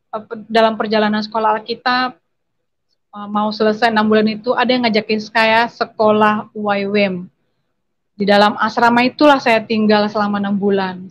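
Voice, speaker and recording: A woman giving an earnest personal testimony over a video call, speaking straight to her listeners. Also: mid-range voice. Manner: earnest, addresses listeners as brothers and sisters.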